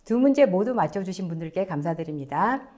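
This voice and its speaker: A woman's voice: fairly low pitch, animated, a little fast, dark tone. A woman hosting a webinar, reading scripted announcements in a polite, formal presenter manner. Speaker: webinar host.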